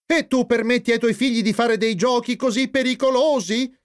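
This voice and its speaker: A man voicing an older, sharp-tongued aunt who scolds and mocks with sarcasm. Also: very high-pitched, steady tone, normal speed, clean tone, pitched above the performer's own voice. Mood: reproachful. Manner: reproachful, sarcastic.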